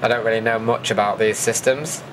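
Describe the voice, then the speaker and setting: A man's voice: on the low side, steady tone, a little fast. Casual man narrating, faint background noise. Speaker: video host narrating event footage. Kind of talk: casual voice-over commentary.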